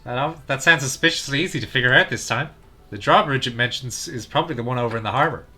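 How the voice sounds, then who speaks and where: A man's voice: mid-range voice, fast talker, pushed and bright. A man casually chatting and reading lines aloud during a video game playthrough. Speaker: gaming commentator reading out game dialogue. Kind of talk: casual playthrough banter and dubbing. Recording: game music behind the voice.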